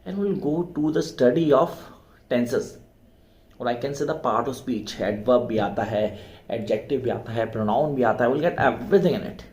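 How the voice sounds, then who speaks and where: A man's voice: mid-range voice, a little mellow. Echoey Hindi-exam tutor, man. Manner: mixes Hindi and English, repeats key terms slowly. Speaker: teacher. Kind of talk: exam preparation lecture.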